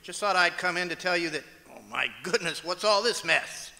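Pompous, high, piercing comic neighbor. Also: male voice, lively intonation, normal speed, vocal fry, bright, forceful tone, full character voice. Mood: pompous, indignant. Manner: hearty, pompous, theatrical. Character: pompous, childishly competitive neighbor with giggly laugh. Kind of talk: old-time radio comedy acting, live on stage. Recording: echoey auditorium stage with long reverb.

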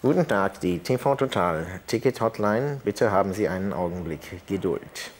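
A man using a disguised deep voice to play a deadpan male hotline operator on a prank phone call, slow and hesitant with many fillers. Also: a little hiss or hum, close to an everyday voice. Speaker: TV show host posing as ticket hotline operator.

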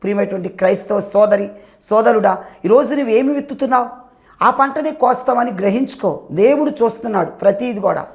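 Gravelly, fervent male preacher. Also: high-pitched, animated, fairly quick. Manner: fervent preaching, rising emphatic appeals. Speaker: pastor. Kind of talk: sermon.

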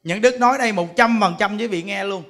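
High-voiced monk preaching. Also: male voice, quick pace. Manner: animated storytelling, acts out quoted voices. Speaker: Buddhist monk teacher. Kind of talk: sermon.

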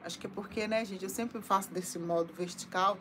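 A woman's voice: mid-range voice, steady tone, fairly quick, background noise. A woman with a Brazilian Portuguese accent preaching on a live stream from her home into a phone, chatty and tagging her lines with little checks to her listeners. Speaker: evangelical preacher. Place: at home, indoors. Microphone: phone held in front of her.

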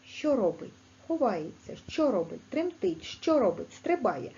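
A woman teaching young children a language lesson, speaking clearly in a sing-song teacher manner with a Ukrainian accent. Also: muffled recording. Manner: slow, clear, sing-song teacher talk with lively pitch. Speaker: primary school teacher.

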